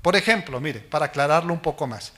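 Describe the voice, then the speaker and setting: A man preaching a sermon as pastor, asking the congregation questions and answering them himself, and letting his voice fall low and soft at the ends of phrases. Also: expressive, fast. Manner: speaks directly to the listener as "hermano".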